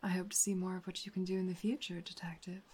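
A woman's voice: lowish voice, little pitch movement, fast, a little mellow, breathy edge. A woman playing a sultry, dominant, mysterious woman in an erotic audio roleplay, whispering and moaning breathily. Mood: teasing, cryptic.

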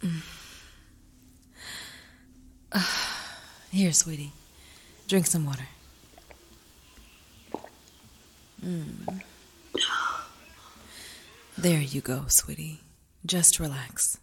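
A woman playing a tender, teasing caretaker who speaks softly and often whispers. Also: mid-range voice, animated, slow, slightly rough, full character voice. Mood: soothing. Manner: soft, soothing, often whispering. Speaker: married woman caring for her lover. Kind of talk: adult audio roleplay.

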